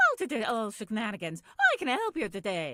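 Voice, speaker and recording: This put-on character voice with an Irish accent sits at a fairly high pitch. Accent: exaggerated cartoon Irish. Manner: overly cheery, cartoonish.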